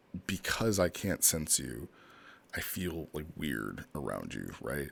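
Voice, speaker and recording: A soft-spoken man talks with a very deep, low pitch and vocal fry. His pace is fairly slow. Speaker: roleplay review channel host. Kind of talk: commentary review monologue. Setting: home at night, family asleep nearby. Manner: soft-spoken, speaking low.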